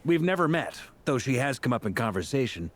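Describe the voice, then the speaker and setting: A man voicing an easygoing knight in a video game who talks in relaxed, teasing banter. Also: medium pitch, brisk, slight background noise, close to an everyday voice. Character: genial male knight, easygoing and joking.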